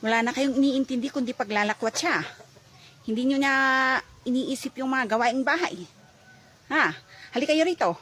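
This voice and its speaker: A woman voicing a stern, middle-aged mother who scolds her children loudly and bossily in a comedic skit. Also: sits high, husky. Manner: loud, bossy scolding.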